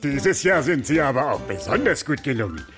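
An actor playing a proud, fussy Christmas baker in a children's audio story. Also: male voice, mid-range voice, big pitch swings, a little fast, fairly bright tone, soft background music. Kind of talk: children's radio play acting.

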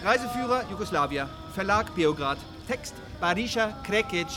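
An actor playing an earnest young husband on honeymoon, halting and pedantic as he reads out guidebook facts in a radio play. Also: high voice, lively intonation, over music. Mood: bookish, absorbed. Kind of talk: radio play acting, reading aloud from a guidebook.

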